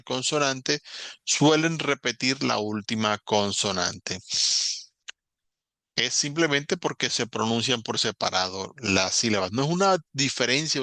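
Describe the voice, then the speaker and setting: A man's voice: mid-range voice, bright, forceful tone, no room sound. A man teaching English grammar in a recorded lesson, explaining patiently, repeating example words and checking in with his students.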